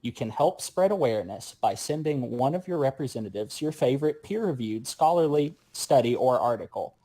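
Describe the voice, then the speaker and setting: Mellow-voiced man reading a formal announcement. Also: medium pitch, expressive, brisk, low-quality recording. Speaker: show cast member. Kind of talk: prepared announcement.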